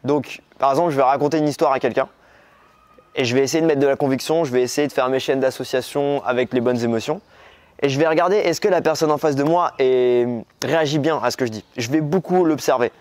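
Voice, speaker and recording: Expressive young man from Morocco coaching. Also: medium pitch, dry recording. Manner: lively, expressive, speeds up and slows down for emphasis. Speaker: dating coach. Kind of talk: coaching video lesson.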